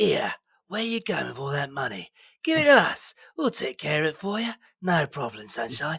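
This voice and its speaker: Someone puts on a raspy character voice in a Cockney accent, at a middle pitch and a moderate pace. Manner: friendly, pushy.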